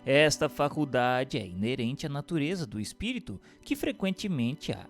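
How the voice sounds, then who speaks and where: Brazilian man narrating with lively, varied pitch. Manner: formal, measured, didactic. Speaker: narrator reading a religious treatise. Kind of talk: scripted audiobook narration for radio. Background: instrumental music.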